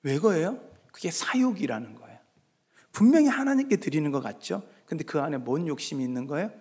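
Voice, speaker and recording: A male pastor giving a sermon, moving between hushed asides and loud, emphatic exhortation, now and then acting out his listeners in dialogue. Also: on the high side, very animated, a little fast, breathy edge. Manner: acts out congregants' voices in dialogue. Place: church sanctuary. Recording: long reverb of a church sanctuary.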